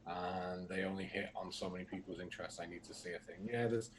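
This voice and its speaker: Chatty man with a low voice. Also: steady tone, fast talker, slight background noise, rough recording. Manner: chatty, reads out comments with asides. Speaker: co-host reading viewer comments. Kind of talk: casual livestream chat.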